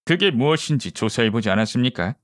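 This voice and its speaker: A man's voice: mid-range voice, animated, fast talker, a bit bright, natural voice. A man voicing a composed, courteous male detective in an audiobook, speaking formally and probingly. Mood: calm, probing. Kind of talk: audiobook character dialogue.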